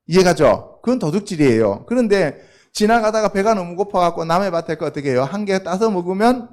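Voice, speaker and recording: Preaching to young congregants, a male pastor speaks in a high voice with a darkish tone. He keeps the sermon relaxed and chatty, frequently asking the audience questions and then supplying the answers.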